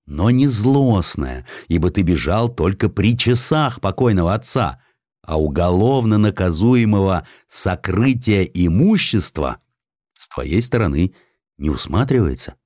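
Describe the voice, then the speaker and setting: Man reading as earnest, animated lawyer friend. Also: deep voice, unhurried, dry recording, clean studio sound, exaggerated voice. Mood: reassuring. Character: loyal middle-aged lawyer friend, earnest and consoling.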